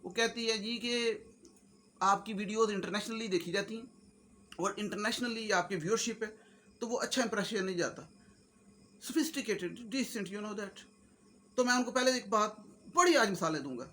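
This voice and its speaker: A man's voice: high-pitched, normal speed, long pauses, bright, forceful tone, slight background noise. A man from Pakistan with a Punjabi accent, speaking casually and jokingly as a vlogger, mixing Urdu, Punjabi and English. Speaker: YouTuber host. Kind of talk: casual comic-motivational monologue.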